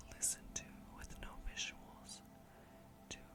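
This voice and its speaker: Noticeable background noise sits under a man's whispering. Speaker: ASMR creator and student. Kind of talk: ASMR study-session reading of medical terminology. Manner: soft-spoken, whispering, slow and relaxing.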